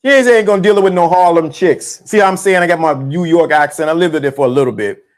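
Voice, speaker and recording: Man, high voice, loose slangy live-stream host who circles back on his points. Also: fast. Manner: loose, animated, repeats himself, slangy. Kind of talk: casual live-stream commentary.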